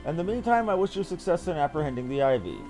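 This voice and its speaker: Man voicing a high-pitched, eloquent fantasy leader. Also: very animated, darkish tone, faint music behind, rough recording. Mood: composed, purposeful. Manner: formal, measured, eloquent. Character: composed, eloquent fantasy leader giving orders. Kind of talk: reading fantasy game dialogue aloud.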